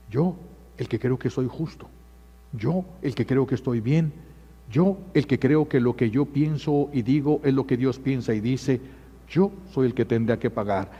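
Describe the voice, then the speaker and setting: A man's voice: a little high, warm tone, slightly rough. A man with a Mexican accent preaching a homily, emphatic and telling folksy stories, often repeating key phrases. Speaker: priest. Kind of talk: sermon. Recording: echoey muffled church sound.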